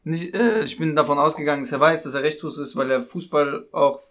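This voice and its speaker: A man's voice: on the high side, fairly quick, a bit bright. A man hosting a casual chat in colloquial youth slang. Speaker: podcast host.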